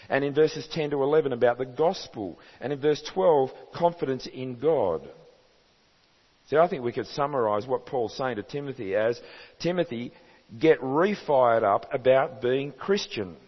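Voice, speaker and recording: An Australian man preaching a sermon as pastor, earnest and emphatic, asking his listeners rhetorical questions. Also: medium pitch. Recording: reverberant hall, dull sound.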